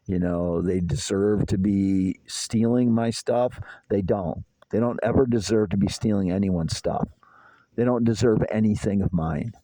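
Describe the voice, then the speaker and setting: A man's voice: sits low, mellow, dry recording, low-quality recording. A man in his fifties delivering a rambling, aggrieved solo monologue outdoors in a yard at night. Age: 50s. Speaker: vlogger.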